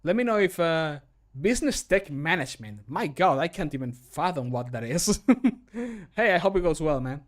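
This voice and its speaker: A man's voice: fairly high pitch, animated, moderate pace. A man in his thirties chatting casually on a livestream, rambling and easily sidetracked, recorded at a desk microphone in a small room. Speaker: livestreamer and mod maker. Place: small closed room at home. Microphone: microphone at a desk, streaming.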